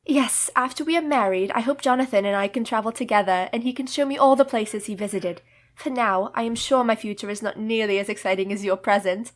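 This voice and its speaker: A woman plays an earnest, sensible young woman who speaks in a measured, gently wry way. Her voice sits a little high and sounds dry and close. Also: no room sound, close to an everyday voice. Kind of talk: stage radio play acting.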